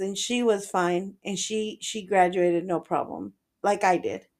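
Using an ordinary speaking voice, a woman talks at a medium pitch and a fairly slow pace with fairly even intonation. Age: 40s. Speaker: life coach and podcast host. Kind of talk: casual monologue.

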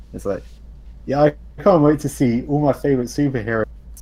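A man with a British accent. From Britain. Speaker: podcast co-host. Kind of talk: casual chat.

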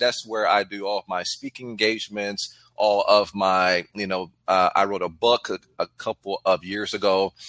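A man speaks with an American accent. His tone is bright and sharp against a quiet background. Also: dry, close sound with no echo. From Texas, Wichita Falls. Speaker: tech project manager. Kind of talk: interview.

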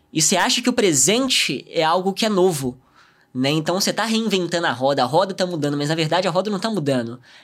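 Speaking at a very fast pace, a man with a high pitch uses lively intonation. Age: 20s. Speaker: e-commerce entrepreneur and course creator. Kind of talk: interview conversation.

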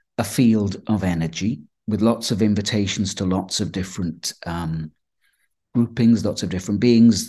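A man with a Welsh accent speaks at a moderate pace. His pitch is fairly low and his tone dark and mellow. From Wales. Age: 60s. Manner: calm, soothing.

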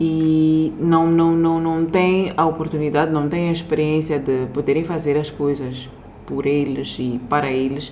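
With noticeable background noise and audible room echo, a woman speaks in a monotone, flat intonation at a very deep, low pitch. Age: 20s. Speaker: podcast co-host. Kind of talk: casual chat. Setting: recording on a year-end trip.

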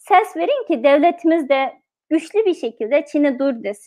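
A woman with a Xinjiang accent speaks at an extremely high pitch. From Kashgar, East Turkestan (Uyghur). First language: Uyghur (speaking Turkish). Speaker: activist for detained family. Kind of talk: interview testimony.

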